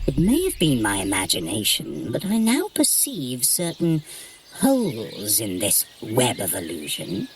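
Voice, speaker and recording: An actress playing a haughty, mischievous trickster god in an audio adventure, theatrical, arch and wry as they guide a runner. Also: female voice, extremely low pitch, wildly swooping pitch, a little slow, a little hiss or hum, exaggerated voice. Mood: puzzled, musing. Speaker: voice actor guiding a running workout. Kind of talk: in-character audio adventure narration.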